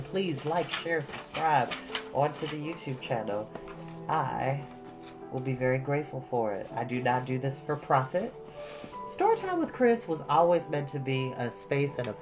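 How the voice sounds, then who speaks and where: A man's voice: medium pitch, muffled recording. A man hosting a storytime channel, speaking casually in an earnest, reflective and encouraging way. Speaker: host of a storytime reading channel. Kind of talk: casual chat and expressive book reading.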